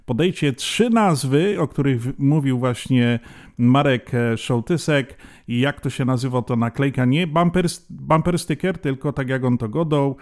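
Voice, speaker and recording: Radio host guy, normal pitch, chatting straight to listeners live on air, informal. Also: moderate pace, a little mellow. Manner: informal, addresses listeners directly. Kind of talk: live radio presenting, contest announcement.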